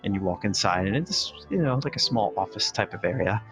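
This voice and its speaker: A man's voice: lowish voice, expressive, fairly quick, music in the background. A man narrating a tabletop horror game as game master, casual and hedging, laughing easily.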